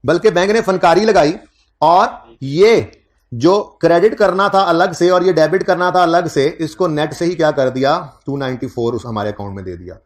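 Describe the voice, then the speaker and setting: A man's voice: a little high, normal speed. A man giving a classroom accounting lecture, conversational, teasing his students and repeating key points.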